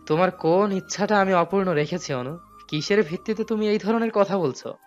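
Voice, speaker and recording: A man's voice: high-pitched, a little fast, soft background music, close to an everyday voice. A man playing an earnest husband, dull recording. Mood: defensive. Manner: earnest, pleading. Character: patient young husband, pleading and defensive. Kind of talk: audio drama acting.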